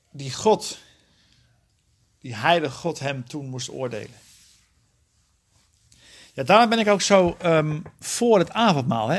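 A man's voice: a little high, a bit bright. A man leading a Bible study, explaining scripture verse by verse and often checking with his listeners. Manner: earnest, often asks the group questions; explains verse by verse, self-correcting. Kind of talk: interactive Bible teaching.

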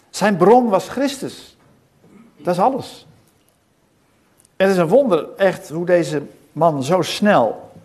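Middle-aged man, preacher, sermon, earnest, rhetorical questions, pausing, somewhat high voice. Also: a little mellow. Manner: earnest, asks many rhetorical questions, pauses between phrases. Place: church hall.

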